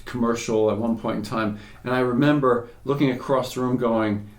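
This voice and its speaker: A man's voice: mid-range voice, steady tone. Guy hosting a podcast, chatty, tells stories, echoey room. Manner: chatty storyteller, quick asides. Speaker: podcast host. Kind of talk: casual interview chat.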